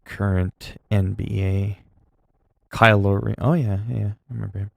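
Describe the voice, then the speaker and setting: Man, low gravelly voice, dry close sound, rambling gameplay chat. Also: fairly even intonation, normal speed, no echo. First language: French. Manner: rambling, self-talk with laughs and asides. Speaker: gaming streamer.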